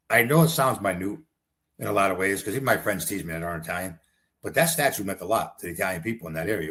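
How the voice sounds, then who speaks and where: Man, political candidate, low-pitched and fast, combative and blunt in an interview. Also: fairly bright tone. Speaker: congressional candidate.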